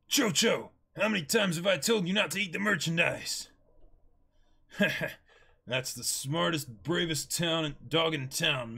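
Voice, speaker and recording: A man's voice: fairly high pitch, creaky, pushed and bright. A man in his twenties giving an amateur dramatic reading of manga lines. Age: 20s.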